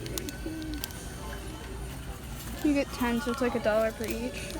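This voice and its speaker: A young woman with a high voice talks in a loose, slangy, everyday way as a shopping companion. She is recorded inside a store, with music clearly playing behind her. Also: fairly even intonation, unhurried, low-quality recording. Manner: informal, slangy. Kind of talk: casual chat.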